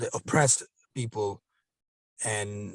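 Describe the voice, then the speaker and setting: Speaking at a very slow pace with a non-native accent, a man sounds somewhat breathy, his intonation fairly even and the sound dry and close with no echo. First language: not English. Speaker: community advocate, foundation head. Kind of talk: podcast interview. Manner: halting, many fillers.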